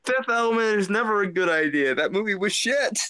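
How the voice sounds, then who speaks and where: A man's voice: high voice, animated, brisk, bright, forceful tone, no echo. A man chatting on a stream, making blunt, sardonic quips. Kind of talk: casual chat.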